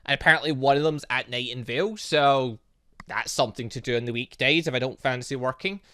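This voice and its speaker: A man's voice: mid-range voice, a little fast, sharp tone. A man giving casual, rambling let's play commentary as a gaming YouTuber, chatting away and often interrupting himself.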